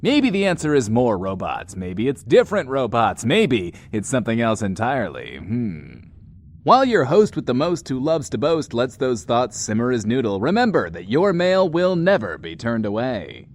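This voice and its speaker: A man's voice: medium pitch, big pitch swings, normal speed, natural voice. A man playing a boastful, flirty post-apocalyptic radio host, showy and hammy, in an audio drama monologue. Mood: musing. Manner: hammy, showy, refers to himself in third person.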